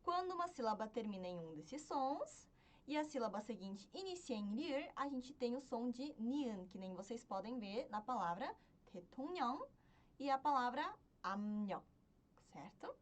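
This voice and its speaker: Lively woman teaching a lesson. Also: a little high, moderate pace. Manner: explains step by step, often checking in with the class. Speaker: language teacher. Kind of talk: online language lesson.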